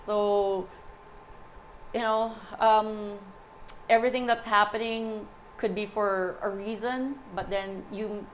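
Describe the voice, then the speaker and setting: A woman in her forties, a guest in casual chat, talking in a halting way with repeated words and many "you know"s. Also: mid-range voice, fairly even intonation, a little hiss or hum, rough recording. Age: 40s.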